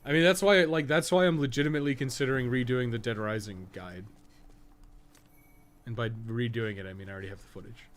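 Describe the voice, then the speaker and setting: A man's voice: mid-range voice, fast talker. A man giving casual live video game commentary as a streamer, with a wry, offhand, sarcastic way of talking.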